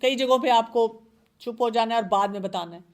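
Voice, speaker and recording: A middle-aged woman, a parenting expert, earnestly explaining discipline with examples from her own children and mixing in English words. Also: on the high side. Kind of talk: advice talk on a show.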